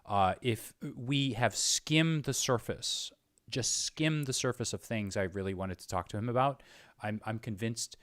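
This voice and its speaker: A man's voice: mid-range voice, unhurried, fairly bright tone, no room sound, clean studio sound. A man hosting a casual interview, speaking earnestly and full of appreciation. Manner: earnest, effusive praise of guest. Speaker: show host.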